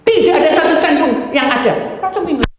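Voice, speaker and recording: A woman pastor, preaching a sermon full of acted-out stories, jumping between loud high cries and hushed asides. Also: lively intonation, quick pace. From Indonesia. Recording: echoey hall with long reverb.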